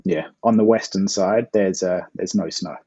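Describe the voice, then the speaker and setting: A forty-year-old Australian man chatting casually and in a low-key way as an author guest on a podcast. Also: moderate pace, warm tone, breathy edge, dry recording, lo-fi sound. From Perth, Australia.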